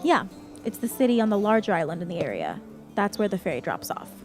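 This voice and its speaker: A woman's voice: mid-range voice, big pitch swings, quick pace, a little mellow, soft background music, natural voice. A woman playing a practical, matter-of-fact young water nymph in a naturalistic audio drama.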